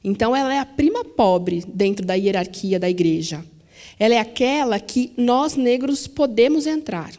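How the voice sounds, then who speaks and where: São woman panelist, warm, mellow tone, conversational, tags questions, acts out quotes. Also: on the high side, normal speed. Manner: conversational, frequent tag questions, animated quoting. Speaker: panelist at a teachers' talk. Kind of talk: public talk answering questions. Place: museum auditorium.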